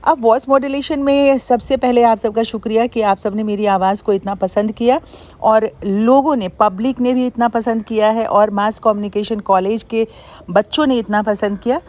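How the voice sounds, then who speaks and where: A woman's voice: fairly high pitch, steady tone, moderate pace, darkish tone. A middle-aged woman narrating a casual daily vlog in a chatty, explanatory way. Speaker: vlogger and radio broadcaster.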